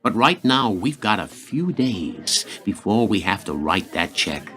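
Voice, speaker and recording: An actor playing a hawkish, calculating senior White House aide in a radio play, speaking with deliberate authority. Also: male voice, on the low side, big pitch swings, pushed and bright, heavily acted. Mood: guarded, pragmatic.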